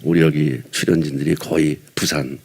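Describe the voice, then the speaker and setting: A man's voice: extremely low pitch, fairly even intonation, normal speed, a little mellow, slightly rough. An older man from Seoul, a veteran actor, chatting casually at a press event, rambling and self-deprecating with little chuckles between thoughts. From Seoul, South Korea. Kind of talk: casual press-conference chat.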